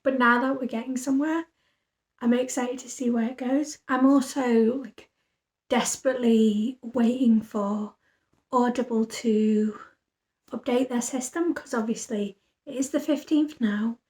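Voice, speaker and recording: A woman's voice: a little high, fairly even intonation, measured pace, a little mellow. A tired woman book vlogger chatting casually after reading all night, rambling and thinking aloud. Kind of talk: casual vlog chat.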